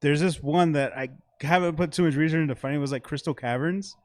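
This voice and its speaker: A man's voice: a little high, fast, a little mellow. A man in his thirties trading gaming memories as a podcast co-host. He talks in loose, rambling bursts, full of filler and curse words. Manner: rambling, swearing, lots of "like". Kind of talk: casual chat.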